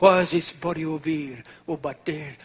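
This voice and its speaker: The man talks with monotone, flat intonation. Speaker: preacher. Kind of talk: sermon.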